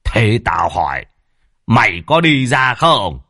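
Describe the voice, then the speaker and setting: Man doing a gruff old exorcist. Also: on the low side, big pitch swings, sharp tone, dry recording, clean studio sound, heavily acted. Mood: stern. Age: older. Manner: slow, gruff, commanding. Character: stern old male village exorcist, gruff.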